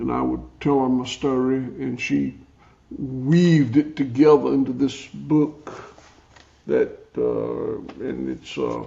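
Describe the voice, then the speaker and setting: A man with a Southern US accent at a very slow pace. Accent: Southern US (Georgia). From US South. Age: 60s. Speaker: farmer. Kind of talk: podcast interview.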